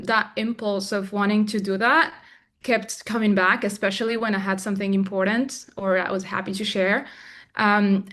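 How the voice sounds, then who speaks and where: A young Moroccan woman, a filmmaker appearing as an interview guest, speaks reflectively with frequent pauses and restarts. Her voice is mid-range and slightly bright.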